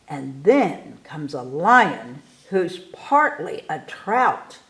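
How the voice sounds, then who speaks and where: Slow-paced woman reading a children's story. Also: low voice, sing-song, a bit bright. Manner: theatrical rhyming delivery with stretched emphasis on key words. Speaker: story time reader. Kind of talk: expressive children's picture book read-aloud.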